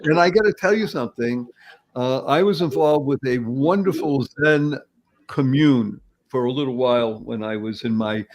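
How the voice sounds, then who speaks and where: A man in his seventies hosts a casual podcast chat, his voice sitting a little high for a man. He talks in an animated, rambling way, laughing easily and doubling back on his words. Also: slight background noise, poor audio. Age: 70s. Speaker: podcast host.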